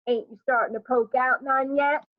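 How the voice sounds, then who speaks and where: A woman voicing a squeaky, effusive neighbor woman who gossips in a folksy dialect and plays up every bit of news with melodrama. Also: steady tone, moderate pace, no echo, lightly acted. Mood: gushing. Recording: dry, tinny phone-like sound.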